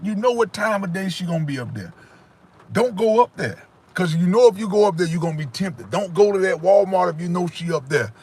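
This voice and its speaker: A man's voice: high voice, breathy edge. A man hosting a casual livestream, giving emphatic, preachy life advice straight to his viewers. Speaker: livestream host. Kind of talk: casual motivational livestream talk. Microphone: phone or webcam in front of him.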